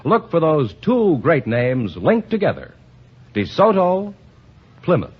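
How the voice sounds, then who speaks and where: A man reading a sponsor commercial in an emphatic, booming announcer manner. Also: huge pitch swings, slow. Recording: muffled old radio broadcast.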